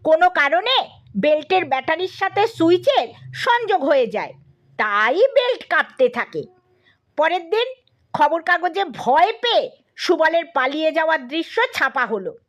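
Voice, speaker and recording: A woman's voice: very high voice, big pitch swings, unhurried. A woman narrating a scripted comic story as an audiobook reader.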